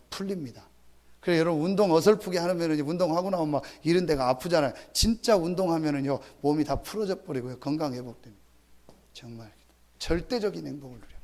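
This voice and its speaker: A pastor delivers a lively, conversational sermon, full of fillers and direct appeals to his listeners. His voice sits a little high for a man, and it swings from quiet, confiding asides to loud, emphatic bursts. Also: slight background noise. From Chungcheong, Korea. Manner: animated preaching that swings from soft asides to loud emphatic outbursts.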